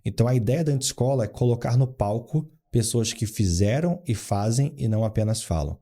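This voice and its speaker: A man's voice: mid-range voice, lively intonation, a little fast, mellow. A man in his forties from Rio de Janeiro, a guest on an interview, telling business stories full of anecdotes and quoted dialogue. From Rio de Janeiro, Brazil. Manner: storytelling with anecdotes and acted-out quotes. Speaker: guest, board adviser and founder. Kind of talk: casual interview.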